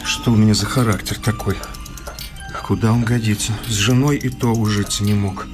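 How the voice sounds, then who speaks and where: An actor playing a poor, hard-working young idealist husband in a classic Russian radio drama, with an earnest, moralising, pleading manner. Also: male voice, fairly low pitch, steady tone, moderate pace, over music, lightly acted. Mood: despairing. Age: young adult.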